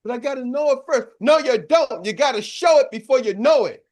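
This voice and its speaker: A man in his sixties giving an energetic motivational talk as a sales coach, calling out to a live audience and repeating slogans. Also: extremely high pitch, fairly quick.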